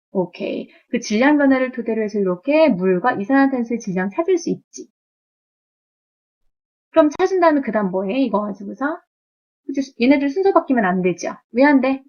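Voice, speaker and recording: A woman teaching chemistry to a live class, her voice sitting a touch high. She talks in a chatty way and keeps checking in with her students. The recording sounds muffled and lo-fi.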